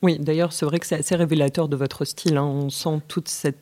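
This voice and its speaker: A man conducting an interview, his voice sitting a little higher than most men's. He asks his questions warmly and encourages his guest with frequent short acknowledgements. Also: level tone, fairly quick. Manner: affirming, friendly, frequent short acknowledgements and light laughter. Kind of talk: interview conversation.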